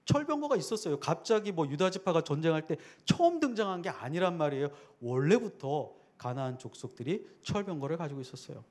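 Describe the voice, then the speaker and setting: A man's voice: on the high side, animated, brisk, hardly any pauses, a little mellow. A man preaching a sermon as a guest preacher at a church worship service, speaking earnestly and conversationally and asking the congregation rhetorical questions.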